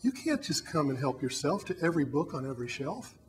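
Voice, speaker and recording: A man's voice: fairly high pitch, big pitch swings, fairly quick, slight background noise. A man voicing a bold, strict little girl who scolds and questions in a storybook read-aloud.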